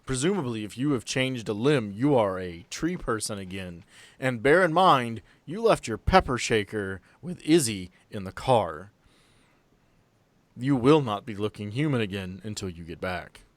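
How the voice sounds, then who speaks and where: A man with a fairly low voice works as game master, narrating a tabletop adventure in a conversational, off-the-cuff style. The sound is dry and close, with little room in it. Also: animated, normal speed, no room sound. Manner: improvised, conversational storytelling.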